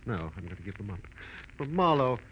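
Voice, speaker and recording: A medium-pitched man acting as a subdued husband in a 1940s radio detective drama. The old recording is dull, with a little noise. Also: very animated, fairly quick, lightly acted. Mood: puzzled. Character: subdued husband, male inventor client of a detective. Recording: muffled, faintly noisy old radio recording.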